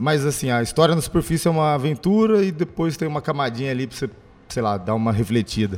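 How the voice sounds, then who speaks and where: On a very clean recording with a silent background, a man talks at a very fast pace, his fairly high voice carrying lively intonation. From Franca, São Paulo state, Brazil. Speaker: comic artist. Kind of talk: casual chat.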